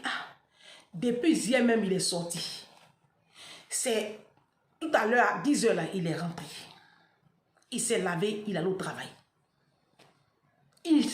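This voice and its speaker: A woman's voice: on the high side, echoey room. A woman vlogger speaking straight to her followers, retelling a painful story with dramatic flair and acting out the dialogue.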